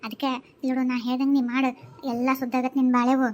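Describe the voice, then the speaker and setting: A firm, self-assured village woman from a cartoon, as a woman voices her, with a North Karnataka accent. She soothes and instructs in a high voice at a quick pace. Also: little pitch movement, a little mellow, lightly acted. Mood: confiding. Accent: North Karnataka Kannada. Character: confident older village woman giving advice. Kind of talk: cartoon voice acting.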